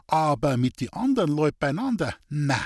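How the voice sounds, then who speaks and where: A man's voice: fairly high pitch, very animated, normal speed, darkish tone, dry recording, clean studio sound. A man voicing a weary, bitter old village woman speaking in Bavarian dialect in a storybook reading. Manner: plaintive, bitter, resigned.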